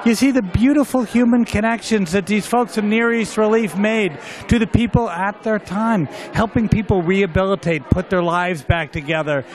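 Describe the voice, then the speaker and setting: A man speaking passionately and persuasively in an interview. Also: sits high. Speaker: panelist.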